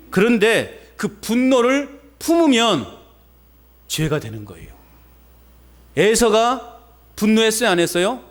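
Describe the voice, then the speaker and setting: Animated high-voiced preaching man. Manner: emphatic, asks the congregation repeated rhetorical questions; conversational preaching with personal anecdotes. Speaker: pastor. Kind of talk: sermon. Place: church service.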